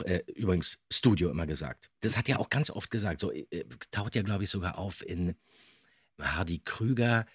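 A man's voice: on the low side, husky, no room sound, studio quality. A man hosting a podcast, talking conversationally and emphatically about radio drama history. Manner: enthusiastic, emphatic. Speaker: podcast host and voice actor.

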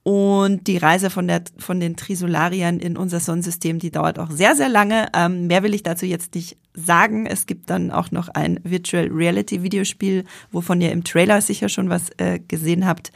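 An Austrian woman talks casually on a podcast, stopping and restarting her sentences and filling gaps with little hesitations. Her mid-range voice has a gravelly edge, and the recording is close and dry. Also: lowish voice, fairly even intonation, normal speed, dry recording. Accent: Austrian German. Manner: chatty, frequent fillers and restarts. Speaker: podcast co-host, film journalist.

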